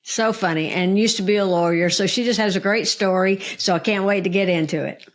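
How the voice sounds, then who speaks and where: A woman comedian co-hosting a podcast, gushing about her friend with many halting uhs. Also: mid-range voice, steady tone. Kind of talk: casual podcast chat.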